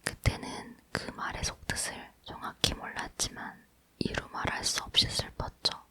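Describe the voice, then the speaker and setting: A woman's voice: normal speed, sharp tone. A woman reading a book aloud as ASMR, leaning in to whisper closely and breathily into a near microphone. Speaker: ASMR reader.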